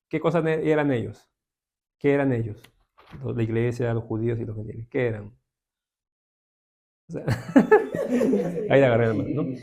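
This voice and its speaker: With a medium pitch, a bit of vocal fry and a somewhat mellow quality, a Peruvian man speaks in a Peruvian Spanish accent. He's giving an informal Bible class, chatting with listeners and leaning on many tag questions.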